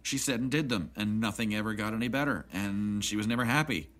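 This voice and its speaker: Guy acting as jaded middle-aged man in an audio drama, deep voice, dry and guarded, bit of music behind him. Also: a little fast, a bit bright, close to an everyday voice. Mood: bitter, resigned. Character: jaded, guarded older man, bitter about his family. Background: background music.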